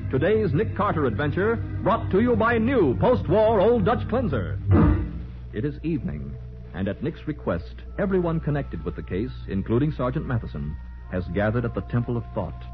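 A man's voice: on the high side, sing-song, normal speed. A man as a polished, dramatic announcer narrating a 1940s radio mystery. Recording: muffled old radio recording. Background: loud music.

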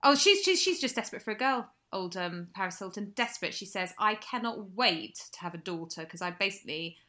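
Bright-voiced chatty English woman. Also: fairly quick. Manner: lively, animated storytelling with sudden high bursts. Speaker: podcast co-host. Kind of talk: casual chat.

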